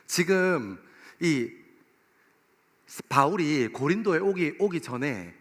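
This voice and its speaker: A man's voice: a little high, animated, slow pace, a bit bright. A man preaching a sermon as a pastor, impassioned and addressing his listeners directly with rhetorical questions. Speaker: pastor preaching to a young adult congregation. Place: church worship hall, live service. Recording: long hall reverb of a worship room.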